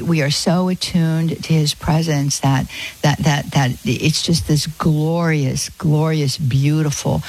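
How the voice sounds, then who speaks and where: A woman's voice: low voice, rough recording. A middle-aged woman hosting a live Catholic call-in radio show, speaking effusively with many fillers and restarts.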